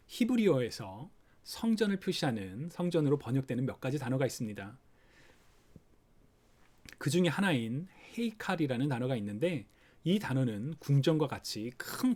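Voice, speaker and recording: A man preaching a sermon for an online service, explaining a scripture passage gently and acting out the worried thoughts of parents. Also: mid-range voice. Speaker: pastor. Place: online worship recording.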